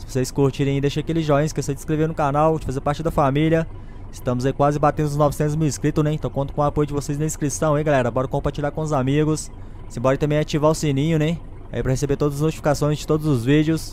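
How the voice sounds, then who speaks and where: A man at a very fast pace with monotone, flat intonation, in a dry sound with no echo over light background noise. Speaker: gaming youtuber. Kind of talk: gameplay commentary.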